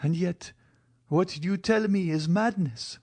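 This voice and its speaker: Guy doing a heartbroken young woman, high and pleading, begging through tears in an audiobook. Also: takes it slowly, a little mellow. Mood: impassioned. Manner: impassioned, tearful pleading. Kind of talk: audiobook reading.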